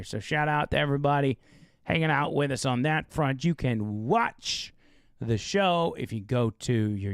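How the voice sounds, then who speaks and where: A male talk show host with a gravelly, slightly hoarse voice, chatting loosely and reading an ad. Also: on the high side, no echo, clean studio sound. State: losing his voice. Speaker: radio and live-stream show host. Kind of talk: casual live talk show with read ad.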